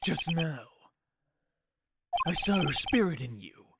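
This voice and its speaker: A man playing a bitter, remorseful former defense attorney in a game fan dub, gravelly and brooding, delivering theatrical confessions. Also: fairly high pitch, animated, takes it slowly, heavy background noise, heavily acted. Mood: bitter, accusing. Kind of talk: dramatic visual-novel game fan dub. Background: loud music.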